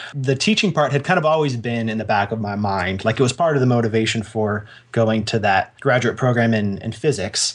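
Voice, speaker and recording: In a plain, everyday voice, a man with an American accent speaks at a medium pitch and a fairly quick pace, with ordinary pitch variation and hardly any pauses against a quiet background. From Oregon, US. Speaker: sketch artist and former teacher. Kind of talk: casual interview.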